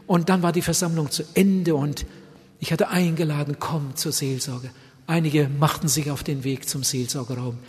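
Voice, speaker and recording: A man preaching a sermon and telling a story, swinging from loud, urgent appeals to hushed, almost whispered passages. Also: a little high, steady tone, normal speed. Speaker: evangelist preacher. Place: large event hall. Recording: long hall reverb.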